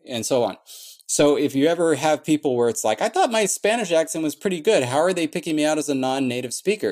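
A man's voice: medium pitch, darkish tone. A man in an interview explaining how he built a language, thinking aloud with many fillers and restarts. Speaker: conlang creator answering questions.

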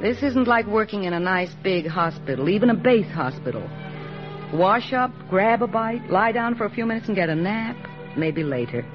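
An actress playing an eager young army nurse in a 1940s radio drama, earnest and soft-spoken, on a dull old radio recording. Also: female voice, medium pitch, lively intonation, normal speed, music in the background, close to an everyday voice. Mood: brisk.

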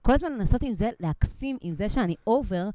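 A woman's voice: mid-range voice, animated, dark tone. A woman co-hosting a podcast in casual chat, talking chattily with lots of fillers and poking fun at herself. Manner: chatty, filler-heavy, self-deprecating. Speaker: podcast co-host.

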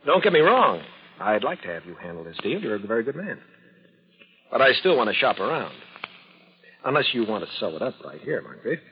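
A man's voice: lowish voice, very animated, brisk, husky, heavily acted. An actor playing a cocky, greedy man dealing in stolen goods, hard-nosed and casual, in 1940s radio style. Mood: cocky, haggling. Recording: dull old radio recording.

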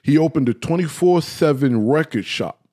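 A man hosting a casual talk show, speaking straight to his audience, often checking in with "right?" and "okay?" and stumbling over his words when he gets excited. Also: fairly high pitch, normal speed. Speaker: host. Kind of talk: casual talk, live-stream lecture.

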